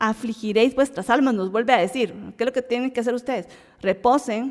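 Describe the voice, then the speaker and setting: At a fairly quick pace, a woman speaks at a fairly high pitch with ordinary pitch variation. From Guatemala. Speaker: Bible teacher. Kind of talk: Bible study lesson. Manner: halting, many repetitions and fillers.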